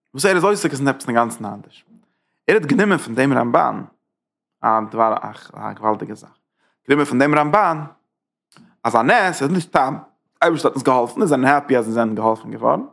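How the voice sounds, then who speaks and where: A man teaches a Hasidic text in a gravelly voice at a middle pitch. He talks in halting phrases, stops often to search for words, and drops Hebrew and English terms into his Yiddish-style German. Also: expressive, fairly bright tone. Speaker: Torah teacher.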